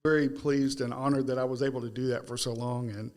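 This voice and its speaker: A man hosting a relaxed podcast interview, who keeps his delivery easygoing and talkative. He laughs and jokes with his guests and sometimes loses the thread mid-sentence before picking it back up. His voice is in a middle range for a man. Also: medium pitch, fast, soft background music. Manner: chatty, joking, trails off and restarts. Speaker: podcast host. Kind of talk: casual interview.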